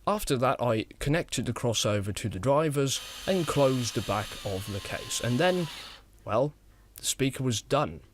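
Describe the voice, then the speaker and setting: A man's voice: medium pitch, expressive, unhurried, a little hiss or hum. A young man narrating a step-by-step DIY how-to, speaking into a close studio microphone. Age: late teens to young adult. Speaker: DIY maker and presenter. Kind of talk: explanatory how-to voice-over narration. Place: small wood-panelled attic room. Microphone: close studio mic on a boom arm.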